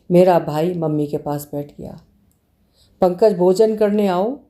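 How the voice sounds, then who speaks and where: Woman, storyteller, dark mellow tone, lowish voice, measured expressive reading. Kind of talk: reading a short story aloud.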